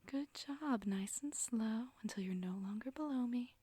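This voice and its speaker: A woman's voice: on the high side, moderate pace, no room sound. Woman playing a whispering, teasing witch instructor. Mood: coaching. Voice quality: soft breathy whisper. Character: flirty, sassy witch broom-riding instructor, condescending but coaxing. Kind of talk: whispered ASMR roleplay.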